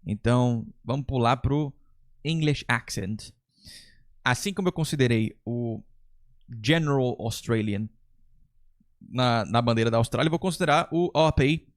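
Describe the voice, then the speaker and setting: A man who teaches English gives casual, chatty commentary with the odd bit of slang. His voice sits at an ordinary middle pitch. The recording is close and dry, with no room echo. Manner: relaxed, chatty, with occasional slang. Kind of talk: casual tier-list commentary.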